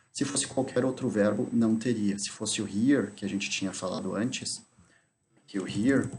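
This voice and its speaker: Male teacher, unhurried, talks through typed examples; faint keyboard clicks and hiss behind. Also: on the low side, darkish tone. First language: Portuguese. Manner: slow, deliberate, spelling out examples as he types. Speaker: English teacher. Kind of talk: screen-recorded lesson explanation.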